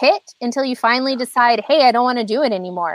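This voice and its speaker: A woman with an American accent speaks at a high pitch with ordinary pitch variation. The sound is dry and close, with no echo. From US, Northern California. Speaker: acupuncturist and Chinese medicine doctor. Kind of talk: casual interview.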